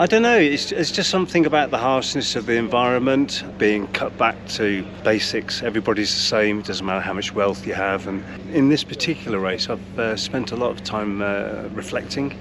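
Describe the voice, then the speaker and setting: Noticeable background noise surrounds a man speaking at medium pitch. He keeps a moderate pace with hardly any pauses. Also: ordinary pitch variation. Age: 60s. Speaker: ultra runner. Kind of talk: interview. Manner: halting.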